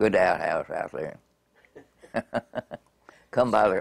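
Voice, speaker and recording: A man with an East Texas accent talks at a very slow pace. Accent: East Texas Southern American. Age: 80s+. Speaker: retired sawmill worker. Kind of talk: interview answer.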